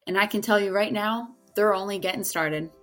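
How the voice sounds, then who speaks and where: A woman's voice: medium pitch, fairly quick, fairly bright tone, faint music behind. Upbeat woman hosting a podcast. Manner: upbeat, enthusiastic introductions. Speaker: podcast host. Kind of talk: podcast episode recap.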